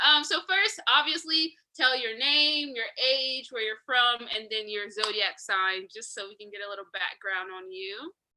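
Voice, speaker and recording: A woman with an American accent, fairly high pitch and lively intonation, at a fairly slow pace over music in the background. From California. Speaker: online talk show host. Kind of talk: casual chat.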